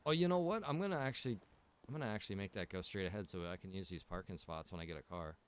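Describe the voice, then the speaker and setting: A man with a low-pitched voice talks very fast while streaming a game. A game streamer who also runs a server, he chats casually with viewers and rambles as he thinks aloud.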